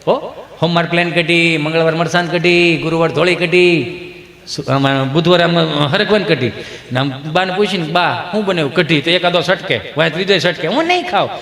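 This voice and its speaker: A male stand-up comedian from Gujarat, telling folk jokes and acting out villagers in high voices. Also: steady tone, brisk, a bit bright. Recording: echoey live stage hall.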